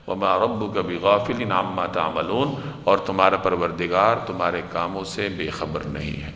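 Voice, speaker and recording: A man's voice: low-pitched, pushed and bright, in a large hall. A man giving a Quran lecture as a sermon, urging his listeners with rhetorical questions and repeated lists.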